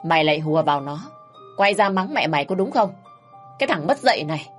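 A woman voicing a shrill nagging mother-in-law. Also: big pitch swings, quick pace. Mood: scolding. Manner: shrill, nagging, raising her voice. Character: harsh scolding older mother-in-law. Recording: faint music underneath.

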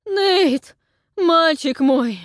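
A woman reading an audiobook voices a frantic, lovestruck older male historian who wails and pleads in a high, loud, drawn-out voice. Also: animated, no echo, studio quality, heavily acted. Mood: panicked wailing. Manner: wailing, breathless pleading.

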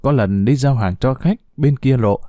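A man narrating a sad story in a slow, heartfelt, expressive way. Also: mid-range voice, dry recording, clean studio sound.

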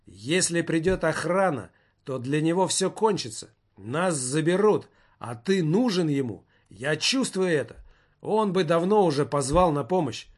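A man voicing an agitated male journalist who threatens and pleads with urgent force. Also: fairly high pitch.

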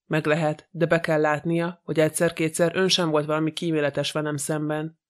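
A man's voice: on the high side, flat delivery, natural voice. A man reading the lines of a cocky, arrogant young detective in an audiobook, brash and mocking.

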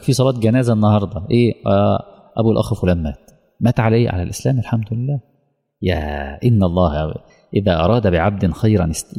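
A man preaching a sermon with an Egyptian Arabic accent, emotional and emphatic, slowing down and dropping to hushed tones. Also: fairly low pitch, vocal fry, slightly rough. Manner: emotional, slow emphatic preaching that drops to near-whispers. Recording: long hall reverb.

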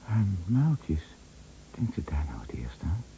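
An actor playing an anguished bedridden husband in a Dutch radio play, brooding and halting, often repeating his words and dropping to whispers. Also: sits low, big pitch swings, mellow, full character voice. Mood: tense, stunned. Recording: dull, noisy old radio recording.

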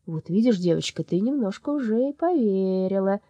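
A scheming black soul with a sugary, sly tongue, as a woman reading a storybook puts her on. Her voice rises high and swings about in a close, dry recording with a husky edge. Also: lively intonation, normal speed, warm tone, dry recording, lo-fi sound, close to an everyday voice. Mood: falsely sweet. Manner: falsely sweet, slanderous, sly. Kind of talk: storybook character voice.

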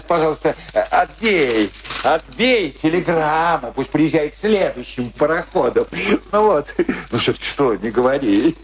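An actor playing a pompous, sentimental middle-aged island commandant in a radio play, with a theatrical, self-important manner. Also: male voice, a little high, a little hiss or hum. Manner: theatrical, self-important, swinging between gushing and bitter.

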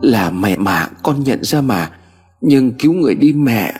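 A man voicing a frightened, hysterical young woman patient with a shrill, pleading voice. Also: lively intonation, unhurried, a little mellow, soft background music, lightly acted. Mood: tearful.

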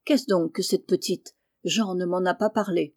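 A woman voicing a kindly, blunt middle-aged male farmer in an audiobook, speaking low and hushed. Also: fairly even intonation, normal speed, husky, no echo, clean studio sound. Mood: gruff. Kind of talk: audiobook character reading.

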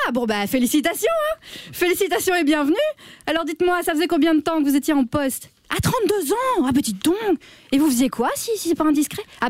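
A woman playing a chatty job-center clerk who talks to an unheard caller, slightly hoarse and full of fillers. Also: high voice, no room sound, studio quality. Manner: gossipy, talks to an unheard caller, constant "hein". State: a little hoarse. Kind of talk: comedy sketch on radio.

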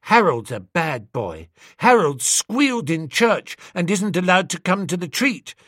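A man's voice: high voice, sing-song, a little slow, fairly bright tone, dry recording, studio quality, voice pushed up, exaggerated voice. A man voicing a prim, self-satisfied little girl who chatters and chants. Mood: sing-song.

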